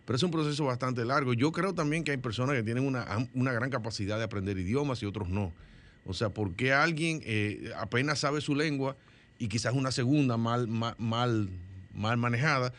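A Dominican man with a middle-pitched voice, speaking Spanish with a Dominican accent as a guest on a talk program. He explains ideas patiently and at length, stumbling into restarts and doubled words as he thinks aloud. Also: brisk, fairly bright tone. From Dominican Republic. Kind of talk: studio discussion.

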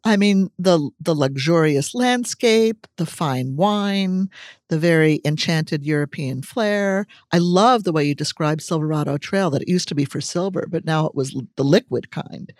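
A woman's voice: sits low, moderate pace, a little mellow, dry recording, clean studio sound. A woman podcast host interviewing a guest, enthusiastic and laughing often.

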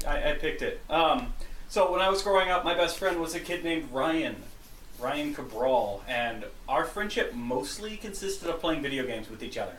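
A man's voice: on the high side, roomy sound, far from the mic, a little hiss or hum, low-quality recording. A man co-hosting a podcast about video games, talking casually with fillers and restarts. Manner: relaxed, rambling with fillers and restarts. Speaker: podcast co-host. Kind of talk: casual gaming chat.

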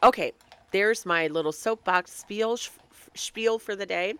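A woman's voice: mid-range voice, unhurried, a bit bright, smooth, no room sound. A woman hosting her own podcast, chatting casually and reading out lists of dates, her voice a little nasal and crackly from a cold. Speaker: podcast host. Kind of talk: casual solo podcast talk.

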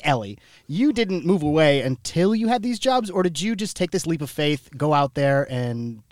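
A man's voice: a little high, sing-song, normal speed, dry recording, clean studio sound. A man hosting a podcast, asking rambling questions in a casual chat and laughing easily. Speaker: podcast host.

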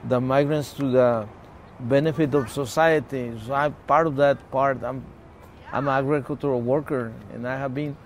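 With many restarts and repeated words, a Spanish-speaking activist guest from the Mexico-California border region recounts a personal story in conversation. His pitch is medium and his intonation fairly even. The recording carries a little hiss or hum.

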